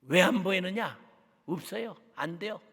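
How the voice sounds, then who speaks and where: Fervent high-voiced man preaching in a reverberant church. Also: expressive, normal speed. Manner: fervent, swings from hushed to shouting. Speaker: guest missionary preacher. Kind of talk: sermon. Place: church sanctuary. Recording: long church hall reverb.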